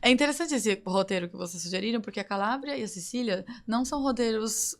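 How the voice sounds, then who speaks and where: A woman from Brazil, a guest on a podcast, chatting in an animated way with quick asides and frequent laughter. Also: on the high side. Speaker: guest, citizenship consultant. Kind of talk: casual podcast chat. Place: studio table.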